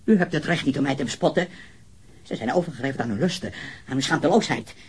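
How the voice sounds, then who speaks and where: An actor playing a disturbed, self-righteous male murder suspect full of loathing in a radio crime drama, speaking in a halting, repetitive way with a husky, breathy voice. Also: mid-range voice, animated. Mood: bitter contempt.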